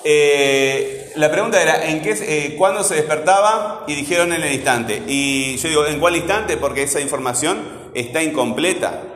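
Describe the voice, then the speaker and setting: A man's voice: on the high side, moderate pace, hardly any pauses, fairly bright tone. A male teacher who teaches a class and keeps repeating his questions to prompt his students. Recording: echoey hall, faint background noise.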